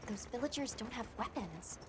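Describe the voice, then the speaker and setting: Woman voicing a high-voiced, practical game companion. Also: lively intonation, normal speed, noisy background, close to an everyday voice. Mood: matter-of-fact. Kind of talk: video game voice acting.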